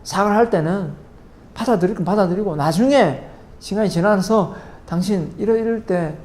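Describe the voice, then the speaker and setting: A woman's voice: medium pitch, moderate pace. A woman lecturing in a parenting course, who keeps asking her listeners rhetorical questions and acts out what spouses say to each other. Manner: keeps checking in with the audience through rhetorical questions; acts out spouses' lines in lively quoted dialogue.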